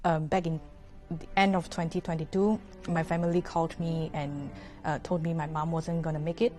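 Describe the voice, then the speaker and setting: A young woman from Malaysia, answering interview questions as a guest orchestra musician in a relaxed way, with many fillers and restarts. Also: low-pitched, normal speed, soft background music. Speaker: orchestra horn player, guest.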